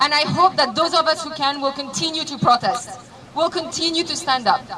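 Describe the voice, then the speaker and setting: A woman's raised, projected voice at a high pitch and moderate pace, with ordinary pitch variation amid noticeable background noise. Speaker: activist. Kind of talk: rally speech. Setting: outdoors. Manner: loud.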